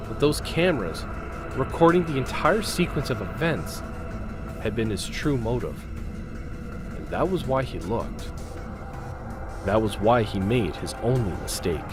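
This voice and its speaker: A man narrating a scripted audio drama with intense, suspenseful delivery, broken phrase by phrase. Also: on the low side.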